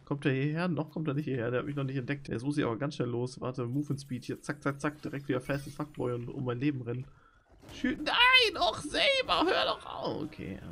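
A young man streaming a video game, talking to his viewers and reacting loudly to the action. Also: fairly high pitch. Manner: excitable, swings between shouting and muttering. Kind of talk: live gaming commentary.

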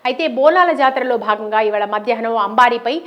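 Higher-pitched woman narrating news. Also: brisk, lo-fi sound.

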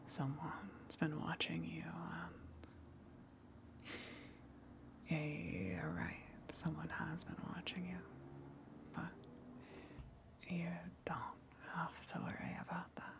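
A woman voicing a luring tentacled sea monster in an ASMR roleplay, coaxing softly in a breathy, hushed whisper with long pauses. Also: sits low, lively intonation, exaggerated voice. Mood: quietly menacing.

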